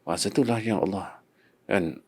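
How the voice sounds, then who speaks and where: A man's voice: on the low side, moderate pace, a little mellow, husky, no echo. A man with a Malaysian Malay accent, a podcast guest, earnestly recounting his faith testimony and repeating his own past prayers.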